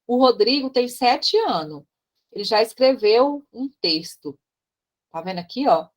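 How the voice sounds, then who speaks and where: A woman's voice: on the high side, expressive, unhurried. A Brazilian woman teacher explaining slides in a recorded class, chatty, with frequent tag questions and asides as she points things out. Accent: Brazilian Portuguese.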